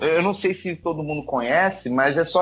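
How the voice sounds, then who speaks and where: A man speaks at a moderate pace. Noticeable background noise runs beneath him. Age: 40s. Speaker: design lecturer. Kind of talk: casual chat.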